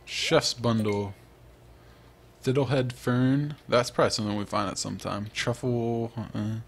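A man's voice: medium pitch, steady tone, unhurried, breathy edge. A young man giving casual, rambling, self-mocking commentary as he plays a farming video game. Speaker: let's play host.

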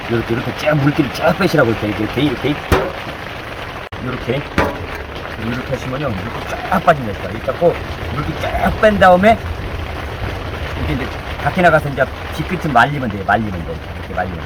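Male cooking host, lively running commentary, heavy rain noise behind. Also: mid-range voice, fast. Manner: repetitive running commentary while working, chanting instructions. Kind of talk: hands-on cooking demonstration. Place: indoors with downpour outside.

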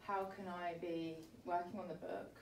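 Thoughtful woman, low voice. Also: level tone, normal speed, a little mellow, a little hiss or hum. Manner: thoughtful, searching for words. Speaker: aspiring author and mother. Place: event room in front of a live audience. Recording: roomy, distant mic, faint ambience.

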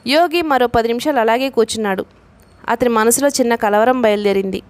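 Woman narrating a novel, slightly high voice. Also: fairly quick. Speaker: audiobook narrator. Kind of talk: reading a novel aloud.

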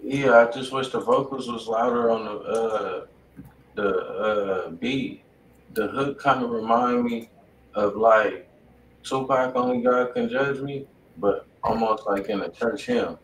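A man's voice: medium pitch, a little slow, a bit bright. A man hosting a live music review stream from a home studio, talking in loose, slangy, casual chat. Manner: laid-back street slang, loose and conversational. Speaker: radio stream host reviewing submitted music. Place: home studio room at a desk. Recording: roomy and distant with faint noise.

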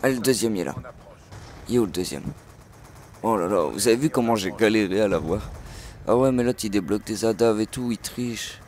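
A man hosting a gaming channel, giving live commentary on his own match with frequent excited outbursts and swearing. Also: lowish voice, a little fast, long pauses, a little hiss or hum.

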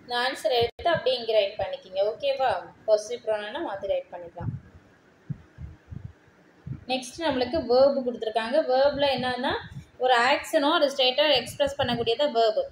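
A woman teacher with a Tamil accent goes through textbook answers, reading English sentences slowly and deliberately. Her voice sits a little high. The room is echoey, with a faint hiss underneath. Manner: mixes Tamil with English terms, reads English sentences slowly word by word.

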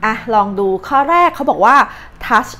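Casting: young Thai woman, chatty advice vlogger, slightly high voice. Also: very animated, brisk, bright, forceful tone. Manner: chatty, uses many fillers and polite particles. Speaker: channel host, astrology and advice vlogger. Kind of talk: casual chatty explainer, translating tips.

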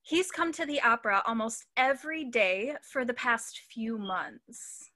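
A woman's voice: a little high, animated, unhurried, sharp tone. A young woman playing a teasing, wry backstage friend in a staged reading. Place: room at home, video call.

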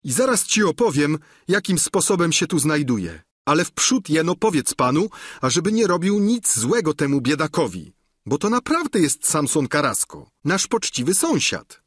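A man's voice: on the high side, sing-song, normal speed, slightly rough, no echo, clean studio sound, pitched above the performer's own voice. A man voicing a frantic male squire who shrieks his words urgently in an audiobook.

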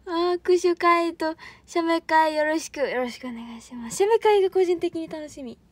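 A woman's voice: very high-pitched, normal speed, dry recording. A young woman with a Kansai accent, chatting on a livestream as an idol trainee, rambling and laughing often while thanking viewers. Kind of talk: casual livestream chat.

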